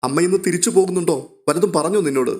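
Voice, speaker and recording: Man doing a young woman, anxious, tender, wavering voice, higher pitch. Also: fast, close to an everyday voice. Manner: soft, hesitant, breaking voice.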